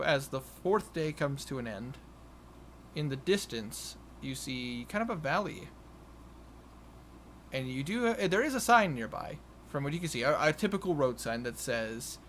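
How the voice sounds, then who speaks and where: A man improvising narration as game master of a tabletop game, haltingly repeating and restarting his phrases. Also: mid-range voice, a bit bright. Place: online voice call. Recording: noisy home voice-chat recording.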